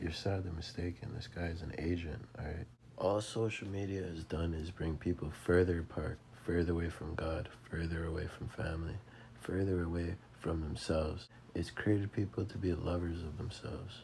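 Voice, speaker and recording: A man speaks at a moderate pace in a very deep, low voice with a dark, mellow tone. He sounds somewhat breathy, with fairly even intonation. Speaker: conspiracy video narrator. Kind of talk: commentary over slideshow. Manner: quiet, not very clear.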